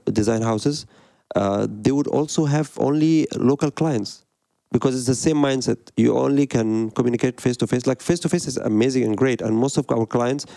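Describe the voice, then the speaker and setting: A man's voice: medium pitch, gravelly, dark tone, no echo. A man from Egypt in his thirties, a design studio director answering interview questions in a hesitant way, with many fillers and restarts.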